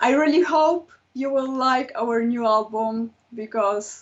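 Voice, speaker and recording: A woman in a Polish accent, high-pitched, at a fairly slow pace. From Poland. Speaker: metal band singer. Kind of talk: interview.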